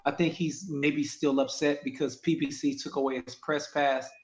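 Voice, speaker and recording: A man calling in over a choppy internet call that keeps cutting out. He talks haltingly and repeats words. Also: fairly high pitch, level tone. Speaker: caller. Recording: muffled lo-fi call line with faint music.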